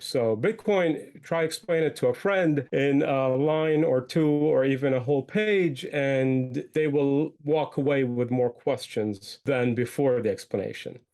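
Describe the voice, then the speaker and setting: A mellow, mid-range male voice belongs to an interview guest who was born in Iraq and relocated to the United States early in life. An entrepreneur and podcaster, he talks conversationally and explains as he goes.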